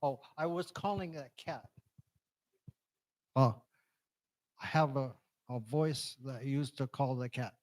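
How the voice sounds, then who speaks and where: A man with a low voice telling a story at a church gathering, talking slowly and haltingly, searching for words after strokes. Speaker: congregation member sharing a story. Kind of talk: halting personal testimony. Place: church hall. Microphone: handheld microphone.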